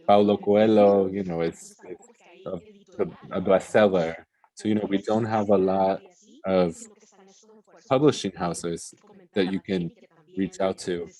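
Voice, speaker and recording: An interpreter rendering a panel discussion into English live, in halting phrases with pauses. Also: low-pitched, fairly even intonation, warm tone, low-quality recording.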